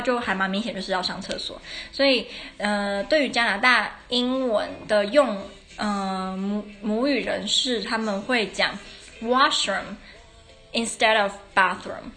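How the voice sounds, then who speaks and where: A woman hosts a relaxed podcast lesson on English pronunciation, audibly tired and pausing on fillers as she goes. Her voice is bright and crisp and sits a little high. Faint music plays quietly underneath. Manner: tired, unhurried, with many fillers and restarts. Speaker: podcast host teaching English phonetics. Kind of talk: casual spoken lesson.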